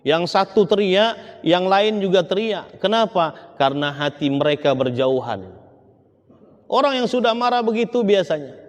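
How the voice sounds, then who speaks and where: A man preaches a sermon. His voice sits fairly high, and he keeps turning to his congregation, rising to loud emphasis and then dropping to a hush. A long hall reverb trails each phrase. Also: animated, moderate pace. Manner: keeps addressing listeners as ladies and gentlemen, swings from loud emphasis to hushed. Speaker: Islamic preacher.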